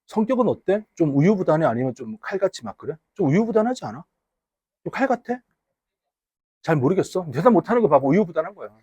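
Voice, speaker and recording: Lively, husky-voiced man teaching a class. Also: fairly high pitch, quick pace, no echo. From Gyeongsang region, Korea. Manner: teasing, chatty, banters with students. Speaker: high school English teacher. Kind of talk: casual classroom lecture. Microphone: wearable mic.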